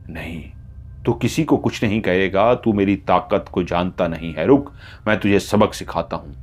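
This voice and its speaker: Commanding older holy man, male, low-pitched, stern and scheming; a man voices him. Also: moderate pace.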